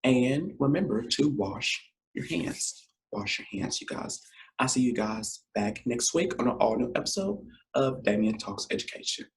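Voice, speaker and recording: A man hosting his own podcast, closing an episode in a loose, rambling way, full of fillers and talk to "you guys." His voice is scratchy and deeper than usual because he is feeling unwell. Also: animated, normal speed, creaky. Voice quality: deep, scratchy voice. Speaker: podcast host. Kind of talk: casual solo podcast outro.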